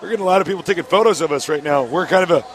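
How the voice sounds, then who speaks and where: A hoarse man casting esports as co-host, joking and upbeat in an exhibition hall. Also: on the high side, a faint crowd, slight background noise. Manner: joking, upbeat, quick asides. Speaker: co-caster and host. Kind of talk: casual esports casting banter. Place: exhibition hall stage area.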